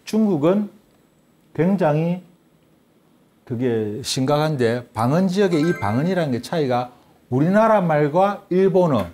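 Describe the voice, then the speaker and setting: A man lecturing as a guest on a studio talk show, lively and playful, now and then switching into regional dialect. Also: on the high side, measured pace, soft background music.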